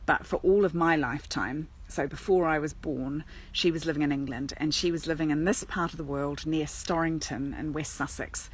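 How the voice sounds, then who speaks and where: Chatty woman thinking aloud outdoors. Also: sits low. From New Zealand. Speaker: agony aunt hosting a live Q&A. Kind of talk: casual live stream chat. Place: outdoors in a churchyard.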